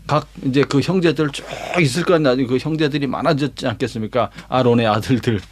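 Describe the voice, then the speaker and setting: A man's voice: mid-range voice, brisk. A male pastor telling a Bible story as a lesson, dramatic, with vivid sound words and rhetorical questions. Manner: acts out quoted lines himself.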